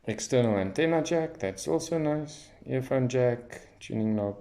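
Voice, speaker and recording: A man's voice: medium pitch, animated, unhurried, mellow. A man giving casual, unscripted unboxing commentary, thinking aloud as he reads things off as a hobbyist reviewer. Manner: unscripted, thinking aloud while reading off labels.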